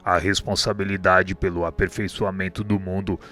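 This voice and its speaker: A man voicing a wise, elderly spirit instructor in a radio drama, speaking in a calm, measured, teaching manner. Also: sits low, faint music behind. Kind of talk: amateur radio drama acting.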